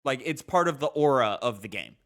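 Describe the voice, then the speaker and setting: A man's voice: medium pitch, lively intonation, fairly quick, fairly bright tone. A man co-hosting a casual gaming podcast, talking emphatically and argumentatively and often repeating himself to make a point. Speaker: podcast co-host.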